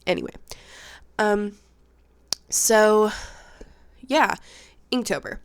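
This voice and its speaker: A woman's voice: mid-range voice, animated, extremely slow, clear, resonant tone. Woman, young adult, congested cold voice, casual art vlog chat, self-deprecating. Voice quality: congested, sniffly. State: stuffed-up nose from a cold. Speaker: art vlogger.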